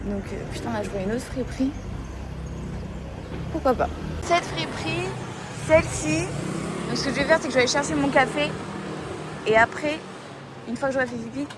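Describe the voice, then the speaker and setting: A woman's voice: high voice, moderate pace, long pauses. Chatty young woman vlogging on the street. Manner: chatty, rambling, thinking aloud. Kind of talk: casual travel vlog while walking. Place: outdoors on city streets. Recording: street noise, passing traffic. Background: urban street ambience with vehicles.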